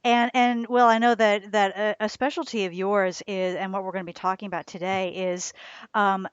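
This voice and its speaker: A woman's voice: mid-range voice, level tone, dry recording, highs cut off. Dry-sounding woman podcast host. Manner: brisk, reads bios smoothly, many backchannel hums. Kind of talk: scripted intro then casual interview.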